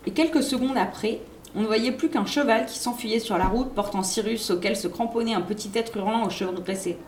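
A woman reads a children's story aloud with expressive, lively delivery. Her voice sits fairly high. The reading sounds roomy, with a faint background hum. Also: a little fast. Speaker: reader.

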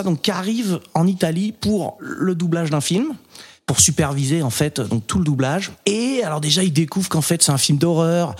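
A man talking film on a podcast in a loose, rambling way, with hesitant fillers and small chuckles between thoughts. His voice sits a little higher than most men's. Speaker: podcast co-host or guest. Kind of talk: casual film chat.

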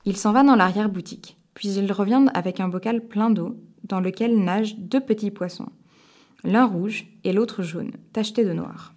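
A woman storyteller reading a children's tale aloud with lively expression. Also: medium pitch, moderate pace.

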